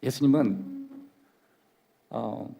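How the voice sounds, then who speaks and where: A man's voice: mid-range voice, extremely slow, gravelly, dark tone, breathy edge. A male pastor preaching a sermon in a church, emphatic and leading the congregation in call-and-response. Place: church sanctuary.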